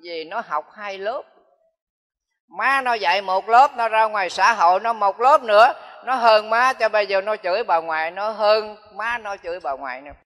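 A man's voice: high voice, moderate pace, a bit bright. An older man, a Buddhist monk, giving a folksy dharma talk that repeats phrases for emphasis. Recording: long hall reverb.

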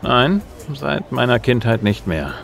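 An actor playing a self-assured, gruff bounty hunter in a science fiction radio play, dry and laconic. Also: male voice, medium pitch, lively intonation, measured pace, a bit bright. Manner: laconic, dry, noir-style. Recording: music under the voice.

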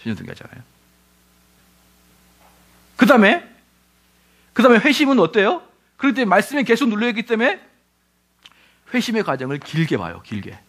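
A middle-aged man preaching a lecture-style sermon in a high voice. His pitch swings widely as he acts out quoted voices and fires rhetorical questions at the congregation. He talks in an animated, conversational way. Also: brisk, long pauses. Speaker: pastor.

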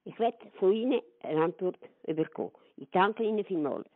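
A woman's voice: medium pitch, animated, normal speed, no echo. Older woman caller on a tinny phone line. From Italy. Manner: polite, earnest. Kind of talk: phoned-in question.

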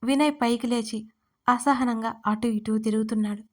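A woman narrating an audio story in a steady storytelling manner. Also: a little high, moderate pace. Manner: steady storytelling, reads every character's lines.

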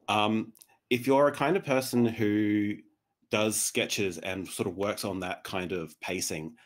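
A man speaking casually as a panelist on a video call. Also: on the low side. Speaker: panelist, podcast writer. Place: indoor room, remote video call.

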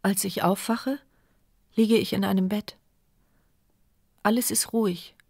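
A frightened wounded heroine. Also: female voice, mid-range voice, fairly even intonation, measured pace, vocal fry, darkish tone, no echo. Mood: tense. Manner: intense, frightened inner monologue. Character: injured woman narrator, frightened and desperate. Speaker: first-person narrator and heroine. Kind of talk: radio drama narration. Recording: studio radio play with music underneath.

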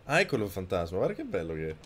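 A man streaming a video game live, talking close to his microphone, yelling and swearing at the game and thanking viewers. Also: low voice, wildly swooping pitch, very fast, crowd noise. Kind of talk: live gameplay commentary. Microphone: microphone very close to the mouth.

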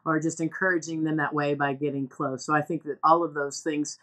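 A woman's voice: deep voice, flat delivery, a little fast, fairly bright tone. A woman co-hosting a panel, talking in a chatty, conversational way on a video call from a home office with bookshelves. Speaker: co-host. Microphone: video call webcam.

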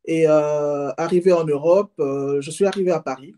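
A woman with a Congolese accent speaks as a guest in a casual interview. Her voice is soft-edged and mellow. She explains her background informally, pausing to find words and correcting herself. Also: low-pitched. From Democratic Republic of the Congo. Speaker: interview guest, handbag maker. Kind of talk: casual autobiographical interview talk.

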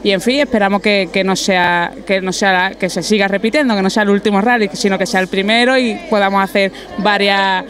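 A woman's voice: medium pitch, steady tone, a little fast, few pauses, fairly bright tone. Hesitant woman official on the street. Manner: hesitant, repeats words while speaking. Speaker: chamber of commerce representative. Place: outdoor street at night. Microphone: handheld mic held by interviewer.

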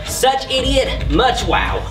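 A woman's voice: on the high side, huge pitch swings, slow pace, over music, full character voice. A woman playing a gossipy, cheeky servant sidekick in a stage pantomime, tossing out punchy comic asides. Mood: gossipy, mocking. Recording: echoey theatre, far from the mic.

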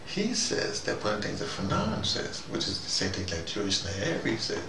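A man in his fifties giving a rambling spoken talk to a small group, jumping between ideas and leaping up in pitch for emphasis. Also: sing-song, normal speed, vocal fry. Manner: digressive, with sudden rising emphasis. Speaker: commentator speaking to a small audience. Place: small room indoors. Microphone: far camera mic. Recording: roomy, distant, noisy.

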